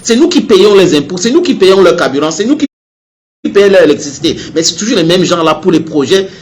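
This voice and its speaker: A man's voice: sits high, animated, fairly quick. A man from Cameroon giving an impassioned rant straight to his audience, heated and repetitive, stammering on restarts. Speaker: online commentator.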